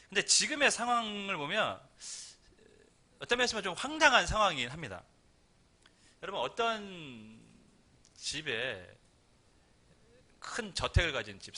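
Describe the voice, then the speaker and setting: Bright-voiced Korean pastor preaching. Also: male voice, fairly high pitch. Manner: conversational preaching with acted-out quotes. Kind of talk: sermon.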